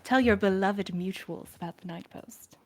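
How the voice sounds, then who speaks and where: A woman's voice: medium pitch, normal speed. A woman speaking casually as a crew member in a podcast question-and-answer chat.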